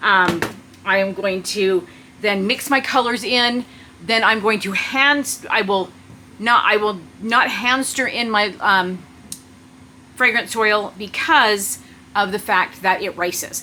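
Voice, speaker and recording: A woman speaks in a fairly high voice with ordinary pitch variation, leaving long, frequent pauses. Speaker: soap maker. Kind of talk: tutorial. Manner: fast.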